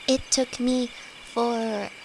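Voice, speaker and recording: A woman's voice: a little high, fairly even intonation, unhurried, gravelly, background noise. A woman playing a timid young apprentice alchemist in an intimate audio roleplay, with nervous, hesitant, stammering delivery and frequent sighs. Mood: apologetic. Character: timid young female apprentice alchemist, easily frightened, sweet best friend. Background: crickets and night forest sounds.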